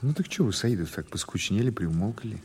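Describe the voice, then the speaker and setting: An actor playing a dry, insistent Soviet investigator with an ironic, authoritative manner in an audio drama. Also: male voice, fairly low pitch, lively intonation, brisk, a little mellow. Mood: probing, dry.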